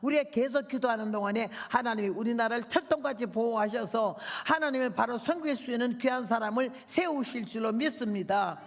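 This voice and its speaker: A woman's voice: a little high, brisk, hardly any pauses. An older woman, a visiting missionary, preaching a revival sermon in a fiery, emotional, rambling way. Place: church sanctuary. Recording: long church hall reverb.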